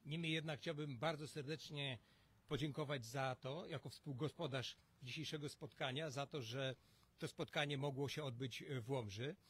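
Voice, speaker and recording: A man, co-host of a local party meeting, giving relaxed, hesitant closing thanks at an outdoor press conference. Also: medium pitch, moderate pace, slightly rough. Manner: relaxed, hesitant, many fillers. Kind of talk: informal closing remarks. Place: outdoor terrace. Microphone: cluster of stand mics.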